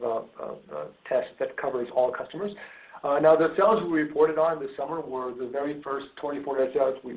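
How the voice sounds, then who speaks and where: A male executive fields questions on an earnings call, pausing often and filling gaps with ums. His voice comes through a narrow phone-like connection with a noticeable echo of the room. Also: medium pitch. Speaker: company executive. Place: conference call.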